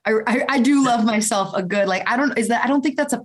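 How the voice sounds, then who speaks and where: A woman hosting a podcast interview in a chatty, self-deprecating way that is full of quick laughs. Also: fairly high pitch. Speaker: podcast host. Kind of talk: casual interview chat.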